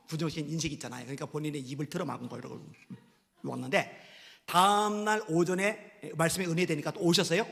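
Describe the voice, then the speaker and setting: Gravelly pastor in a reverberant church. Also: male voice, on the high side, a bit bright. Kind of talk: sermon. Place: church sanctuary.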